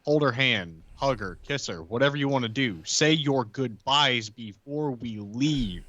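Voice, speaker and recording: A man playing a blunt, steady undead character in a tabletop game, talking plainly and reassuringly. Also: medium pitch, unhurried, no echo, lo-fi sound.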